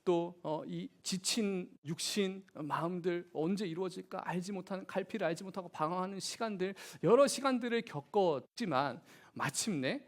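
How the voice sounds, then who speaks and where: A man's voice: sits high, normal speed, hardly any pauses. A man preaching a sermon to a young congregation in church, asking them questions as he goes. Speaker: youth pastor.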